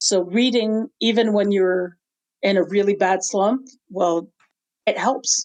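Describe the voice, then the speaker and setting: Speaking very slowly with long, frequent pauses, a woman has a slight French Canadian accent and a medium pitch. Her intonation is fairly even and her loudness very even. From Quebec. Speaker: author. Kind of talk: interview. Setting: podcast.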